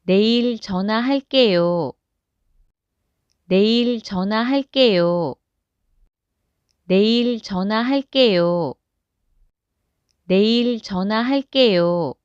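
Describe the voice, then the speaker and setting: A woman reading short example sentences aloud, slowly and evenly, for language learners. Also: mid-range voice, a little mellow, smooth, no echo, muffled recording. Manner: careful, evenly spaced phrase reading. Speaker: Korean phrase reader.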